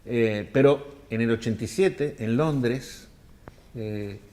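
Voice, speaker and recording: An older man from Argentina, telling long animated anecdotes in an interview and acting out the people he quotes. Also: medium pitch, slow. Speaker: world traveler telling his story. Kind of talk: storytelling interview answers.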